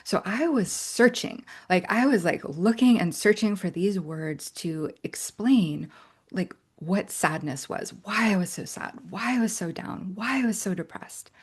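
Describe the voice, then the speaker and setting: A middle-aged woman coach leading an online workshop, earnest and personal, often checking in with "right?" and slipping into soft whispery asides. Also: medium pitch, lively intonation, unhurried, slightly rough. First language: English.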